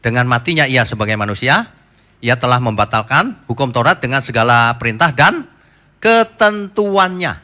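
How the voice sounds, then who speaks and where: Lively, animated male preacher. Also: medium pitch, normal speed. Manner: animated, joking preacher who acts out quoted people. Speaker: pastor. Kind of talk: sermon.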